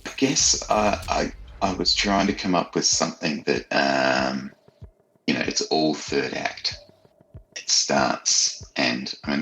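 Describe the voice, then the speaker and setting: Male guest author, thoughtful and conversational, extremely low with plenty of vocal fry. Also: fairly bright tone, poor audio. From Australia. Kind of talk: casual interview answers. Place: child's bedroom at home.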